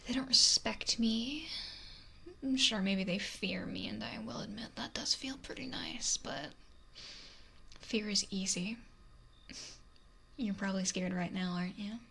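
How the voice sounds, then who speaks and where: A woman voicing a possessive, lonely, wealthy female mafia boss in a whispery, breathy, domineering ASMR roleplay, close to the microphone. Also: mid-range voice, measured pace, long pauses, sharp tone. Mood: bitter, lonely. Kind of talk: intimate ASMR roleplay monologue. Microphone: close binaural microphone. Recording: noisy close binaural whisper recording.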